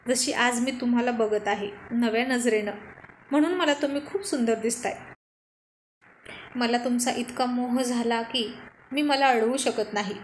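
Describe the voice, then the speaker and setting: Brief: woman narrator doing a coaxing young wife, fairly high voice, faint hiss behind. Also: natural voice. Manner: teasing, coaxing. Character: playful affectionate young wife.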